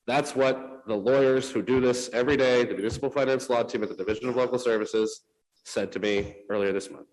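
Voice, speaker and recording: A man speaking as a council vice president in a council meeting, measured, citing legal advice. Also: mid-range voice, steady tone, darkish tone, poor audio. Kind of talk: council floor remarks.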